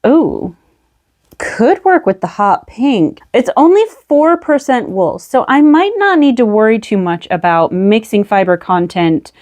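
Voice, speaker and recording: A woman's voice: on the high side, very animated, unhurried, a little mellow, no echo. A woman vlogging casually at a table, musing aloud about her yarn, slightly out of breath, with many ums. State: a little out of breath. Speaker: craft vlogger. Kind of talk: casual show-and-tell chat.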